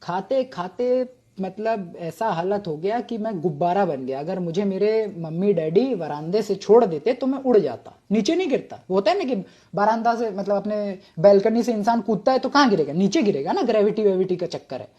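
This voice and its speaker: A man's voice: high voice, expressive, normal speed, a little mellow, lo-fi sound. A man in his thirties, a retired army officer from Bengal, telling his own story in a chatty, humorous, self-mocking way. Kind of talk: casual storytelling monologue.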